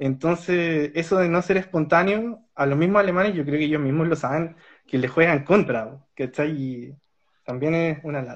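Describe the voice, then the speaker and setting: With a Chilean accent, a man speaks. His pitch varies in an ordinary way. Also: fairly high pitch for a man, moderate pace. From Chile, Santiago. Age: 30s. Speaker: engineering student. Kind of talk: casual interview.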